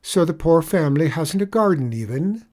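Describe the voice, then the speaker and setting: A storyteller voicing a soft-hearted, weepy male tradesman with an Irish accent, easily moved to sobbing. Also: mid-range voice, animated, normal speed, voice pushed up, lightly acted. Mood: sympathetic.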